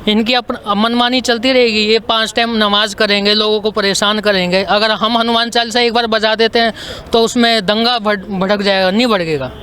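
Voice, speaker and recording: A man's voice: high voice, steady tone, moderate pace, sharp tone. A man giving an emphatic, insistent opinion in a street interview. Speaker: member of the public being interviewed. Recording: noisy outdoor street recording.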